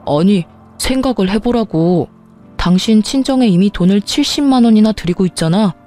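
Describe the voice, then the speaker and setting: A woman's voice: medium pitch, lively intonation, normal speed, dark tone, close to an everyday voice. A woman doing a defensive, irritated husband. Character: defensive, sulky young husband.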